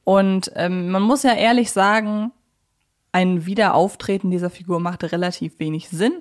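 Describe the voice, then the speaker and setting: A woman's voice: on the low side, steady tone, moderate pace. A woman chatting casually as a podcast co-host, often correcting herself as she talks. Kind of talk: casual podcast chat about audio drama characters.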